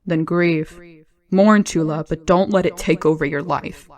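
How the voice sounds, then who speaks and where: A woman playing a blunt, calm dark sorceress who consoles firmly, in a low, creaky voice, in an amateur audio drama. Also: measured pace, lightly acted. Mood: blunt, consoling.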